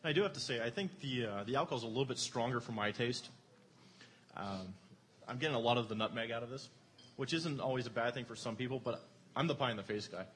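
A man's voice: mid-range voice, quick pace, a bit bright, a little hiss or hum. A man from Erie, co-hosting a beer show in casual chat, enthusiastic and jokey, poking fun at himself. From Erie, Pennsylvania. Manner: enthusiastic, jokey, self-deprecating.

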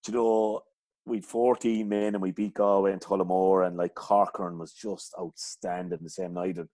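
A middle-aged man from County Clare speaks with a west of Ireland accent. His voice sits on the low side, recorded dry with little room sound. He chats casually and colloquially, wandering through his anecdotes. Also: level tone, normal speed, mellow, no room sound. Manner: colloquial, rambling storytelling. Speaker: interview guest, hurling coach.

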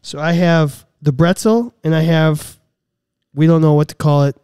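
A man's voice: fairly high pitch, fairly even intonation, moderate pace, a little mellow, clear, resonant tone, no room sound, studio quality. A man co-hosting a podcast in casual banter, talking in an informal millennial way full of hedges and hyperbole. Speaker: podcast co-host.

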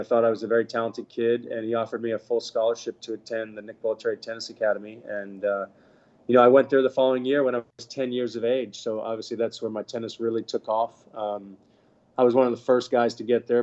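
A man in his fifties from the Bahamas, telling his story in a relaxed, chatty interview with lots of fillers. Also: on the low side, highs cut off. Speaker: guest, former tennis pro. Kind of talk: casual interview talk.

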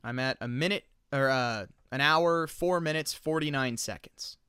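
A man's voice: mid-range voice, normal speed, bright, forceful tone, smooth, no echo, studio quality. A man hosting a podcast, chatting casually with amused, emphatic commentary. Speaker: podcast host. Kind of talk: casual chat with enthusiastic commentary.

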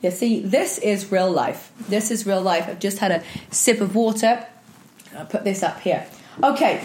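Young woman, husky tired voice, chatty upbeat podcast host, echoey room. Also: medium pitch, darkish tone. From Britain. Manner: chatty, upbeat, self-deprecating. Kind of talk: casual motivational podcast monologue.

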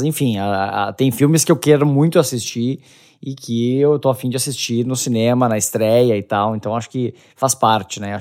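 A man's voice: medium pitch, a little mellow. A man with a Brazilian accent co-hosting a podcast in casual conversation. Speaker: podcast co-host.

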